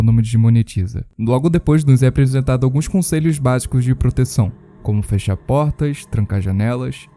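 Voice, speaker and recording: A man's voice: mid-range voice, mellow. A Brazilian man narrating scripted commentary on horror videos.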